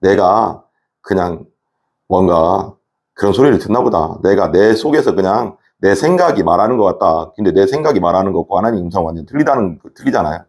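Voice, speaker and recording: Animated male preacher with lively pitch. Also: a little fast. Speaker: pastor. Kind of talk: sermon. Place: church.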